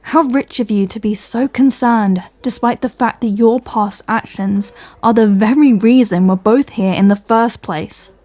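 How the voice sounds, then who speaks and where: A woman's voice: on the high side, a little slow, hardly any pauses, warm tone. A woman playing an irritated, stubborn, proud female superhero in a comedic audio drama, answering with dry, sarcastic exasperation. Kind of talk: comedic audio roleplay acting.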